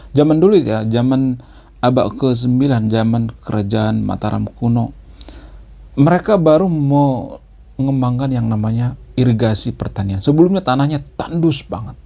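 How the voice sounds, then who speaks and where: Gravelly, husky man explaining. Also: mid-range voice, warm tone. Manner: chatty, repeats words for emphasis, ends phrases with "ya". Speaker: channel host. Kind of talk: casual explanatory monologue.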